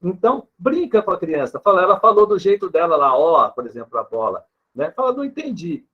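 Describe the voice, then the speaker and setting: A Brazilian man with a somewhat high voice talks through a speech therapist's answers in an interview. He is patient and steady and keeps checking in with "né" as he gives examples. The sound is dull and lo-fi. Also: brisk. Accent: Brazilian Portuguese. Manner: patient, explains with examples and frequent "né".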